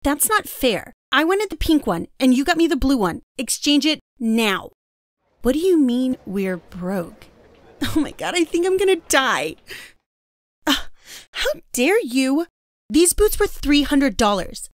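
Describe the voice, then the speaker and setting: A woman's voice: high-pitched, sing-song, measured pace, no echo, pitched above the performer's own voice. A woman voicing a spoiled, demanding, dramatic teenage girl with a whiny, indignant manner.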